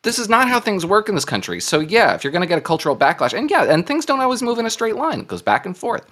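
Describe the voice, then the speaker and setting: A man on a political podcast argues forcefully, with a lively pitch that swings high and low. He drives each point home with emphasis. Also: fast. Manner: emphatic, animated argument. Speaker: podcast panelist. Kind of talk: political discussion.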